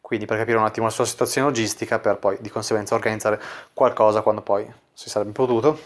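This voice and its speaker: A man's voice: on the low side, fairly even intonation, fast talker. A man working as a dating coach, casually explaining chat screenshots and leaning on filler words as he talks. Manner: casual, full of "quindi" fillers.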